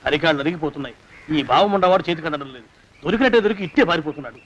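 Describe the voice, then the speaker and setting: A man's voice: on the high side, lively intonation, very fast, natural voice, rough recording. An actor playing a weary male searcher who grumbles about his sore feet, in a film scene. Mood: grumbling.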